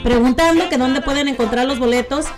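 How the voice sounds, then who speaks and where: High-voiced woman hosting a radio interview. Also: brisk, music in the background. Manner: friendly, encouraging interviewer. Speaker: radio host.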